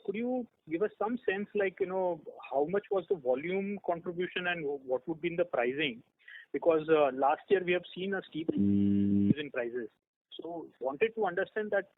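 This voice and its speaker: A man, a financial analyst, politely asking questions on an earnings call and addressing the executives as sir. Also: fairly high pitch. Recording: tinny phone line.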